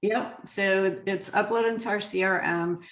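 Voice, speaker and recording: A woman's voice: medium pitch, steady tone, a little slow, fairly bright tone. Woman in a roomy, echoey interview. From Connecticut, United States. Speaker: real estate agent, interview guest. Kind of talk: conversational interview about work systems. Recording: roomy echo.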